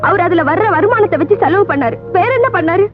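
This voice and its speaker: A bitter, reproachful young married sister whose very high voice comes quick and sharp. The thin, phone-like old film sound has music clearly underneath. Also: female voice, lively intonation. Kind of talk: 1980s film acting.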